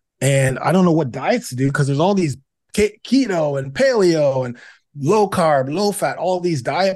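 This man has an unremarkable speaking voice, fairly high in pitch, with lively intonation. He talks at a moderate pace against a quiet background. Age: 50s. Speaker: fitness coach and former pro athlete. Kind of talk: casual chat.

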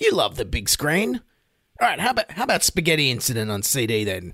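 A man with an Australian accent talks at medium pitch in a bright, sharp tone, with very wide pitch swings. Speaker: comedy podcast host. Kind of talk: casual chat; comedic news commentary.

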